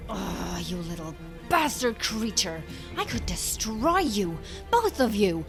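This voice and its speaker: Woman acting evil cryptid lady, taunting and snooty, very animated pitch, audio drama w music under it. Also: slow, creaky, heavily acted. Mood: furious threats. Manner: taunting, theatrical, mockingly polite. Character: menacing female cryptid villain, haughty, contemptuous. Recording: music behind the voice.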